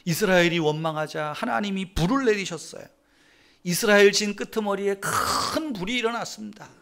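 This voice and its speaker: A male pastor preaching a sermon, chatting with the congregation through questions and swinging from loud proclaiming to hushed whispers. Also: sits high, moderate pace. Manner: conversational, asks the congregation questions.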